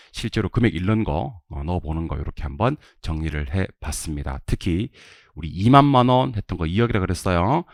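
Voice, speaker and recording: Deep, lively-voiced man teaching a class. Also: no echo, studio quality. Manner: animated, drills numbers with repeated questions to students. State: just woke up, a bit scattered. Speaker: real estate exam instructor. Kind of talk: online lecture.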